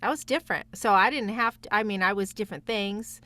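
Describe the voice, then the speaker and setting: A woman's voice: medium pitch, brisk, a bit bright. A woman speaking as a guest voice actor in a casual interview, enthusiastic and reflective.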